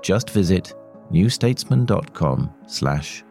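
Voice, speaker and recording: Deep gravelly guy reading out a long magazine piece, scripted narration. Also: big pitch swings, slow, warm tone, soft background music.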